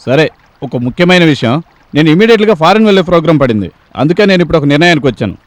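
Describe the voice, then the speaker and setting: A man playing a smooth-talking minister. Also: a little high, animated, very fast, no echo, lightly acted. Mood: calm. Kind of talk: 1980s film drama.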